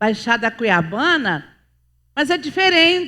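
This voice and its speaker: A woman speaks in a raised, projected voice with a high pitch and a bright, sharp tone. Her pitch swings very widely on a very clean recording with a silent background. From Brazil, Cuiabá region (Mato Grosso). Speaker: seminar speaker at church. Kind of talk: church teaching seminar. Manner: hesitant, many fillers.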